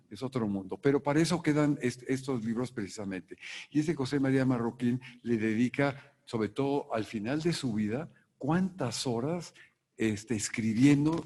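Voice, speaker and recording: Deliberate Mexican man in a hall. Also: mid-range voice, warm tone. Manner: deliberate, tags lines with a questioning "sí". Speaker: book presenter. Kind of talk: speaking at a book presentation. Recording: long hall reverb.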